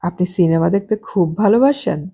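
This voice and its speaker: A woman's voice: lowish voice, animated, normal speed, mellow, slightly rough. A woman voicing a courteous, curious middle-aged male visitor who asks questions politely.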